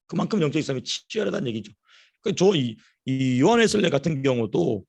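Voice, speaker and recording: A man preaching a sermon as a pastor, telling stories in an animated way and repeating phrases for emphasis. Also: a little high, vocal fry. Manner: storytelling, animated. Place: church.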